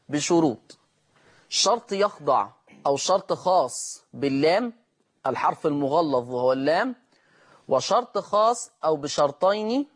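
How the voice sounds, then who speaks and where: Chanting sheikh teaching recitation. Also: male voice, on the high side, breathy edge. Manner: slow melodic chanting of verses, brisk conversational explanations. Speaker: Quran recitation teacher and host. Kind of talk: Quran recitation lesson.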